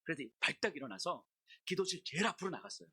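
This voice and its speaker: Middle-aged woman pastor, sermon; husky, bright tone, very lively pitch, storytelling delivery. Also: fast, no room sound. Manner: personal storytelling, shouting her remembered complaints.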